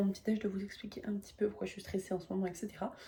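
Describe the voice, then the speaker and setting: Speaking at a very fast pace, a woman with a medium pitch has a dark, mellow tone and a somewhat breathy sound. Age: 20s. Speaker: student vlogger. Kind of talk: vlog monologue. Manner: casual, frequent hesitations.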